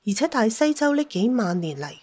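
A woman's voice: on the high side, very animated, brisk, darkish tone, breathy edge, dry recording. A woman telling a dramatised story as an audiobook narrator, with a Cantonese accent.

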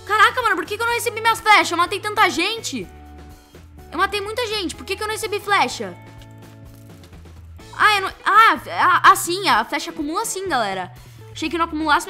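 A young Brazilian woman with a Brazilian Portuguese accent, commenting excitedly on her own gameplay and repeating her exclamations. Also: very high voice. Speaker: gaming youtuber.

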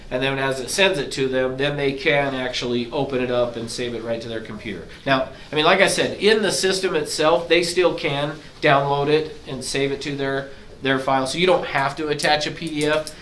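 A man training real estate agents, walking them step by step through signing software in a casual, explanatory way, a bit hoarse and clearing his throat as he loses his voice. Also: medium pitch, fairly even intonation, moderate pace. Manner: explanatory, casual, self-deprecating. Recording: echoey room from far off, faint hiss.

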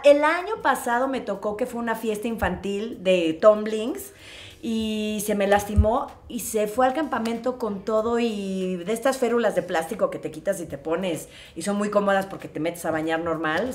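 A woman with a Mexican accent telling a family story to her viewers in a casual, animated way. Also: mid-range voice, normal speed. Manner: animated, expressive, acts out scenes. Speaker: vlogger.

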